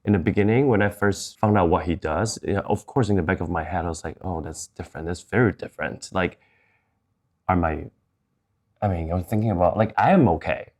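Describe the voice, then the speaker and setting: Deep-voiced man, candid storyteller. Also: fairly quick, darkish tone. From Taiwan, moved to Chicago. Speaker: interview guest.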